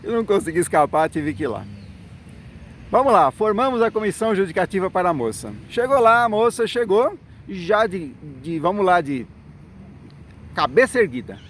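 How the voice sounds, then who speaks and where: A man's voice: high voice, very animated, moderate pace, long pauses. A middle-aged man telling his own story in a monologue. He acts out the quoted dialogue and keeps checking in with "né?" and "certo?". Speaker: former congregation elder telling his story.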